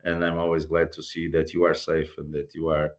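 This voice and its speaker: A man with a Portuguese accent speaks English in a very deep voice, earnest and searching for words as he restarts and repeats himself. His voice comes through a dull, lo-fi video call, and he is clearly a guest on an online panel. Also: completely flat delivery, brisk. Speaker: guest volunteer.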